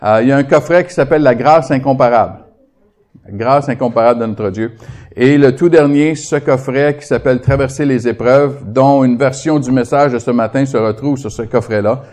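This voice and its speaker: A man's voice: mid-range voice, normal speed, a little mellow. A man in his fifties from Quebec with a Québécois accent, preaching as a guest with a chatty, joking manner. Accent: Québécois French. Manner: humorous, chatty, joking with the congregation. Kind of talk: sermon.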